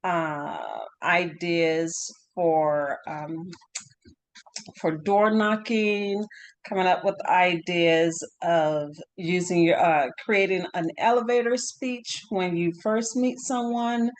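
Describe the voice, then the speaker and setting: A woman sharing in an online class, halting and searching for words. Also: on the low side. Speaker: class participant. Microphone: video call.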